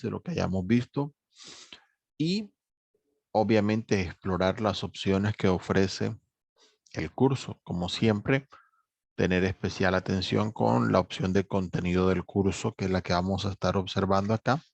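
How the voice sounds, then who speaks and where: Male teacher, gravelly voice, dry close sound, measured lecture. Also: low-pitched, no room sound, dull audio. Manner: measured, repeats reminders, many fillers like "obviamente". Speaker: English teacher. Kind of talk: online course lecture.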